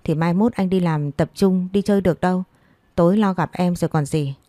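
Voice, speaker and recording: A woman voicing a sharp-tongued, playful young woman who scolds her boyfriend with quick retorts in a storybook. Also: on the low side, dry recording, natural voice. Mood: sassy.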